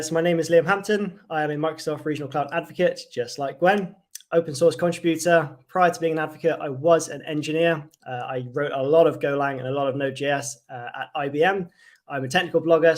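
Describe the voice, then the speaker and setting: An enthusiastic young man hosting a livestream tech lesson, his voice sitting a little high for a man. He keeps the energy up and fills his talk with cheerful praise for the material. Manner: enthusiastic, lots of "wonderful" and "fantastic". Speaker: cloud advocate presenting a livestream. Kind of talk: upbeat livestream tech presentation.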